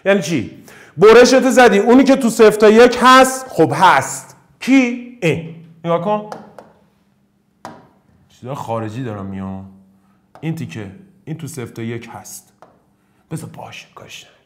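A man from Iran teaching an exam-prep math lesson, joking and swinging between loud bursts and low muttering. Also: big pitch swings, long pauses.

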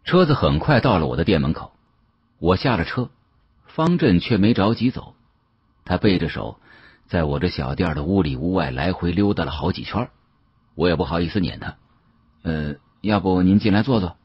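A man narrating an audiobook as dramatic first-person storytelling, expressive and theatrical, with colloquial asides. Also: low-pitched, moderate pace, husky, no echo, dull audio.

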